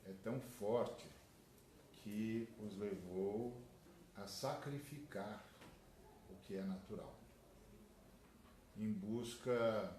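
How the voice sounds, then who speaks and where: A man speaking as a pastor, addressing a group in measured, preaching phrases with pauses. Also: on the low side, warm tone. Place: indoor room. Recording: echoey room, faint noise.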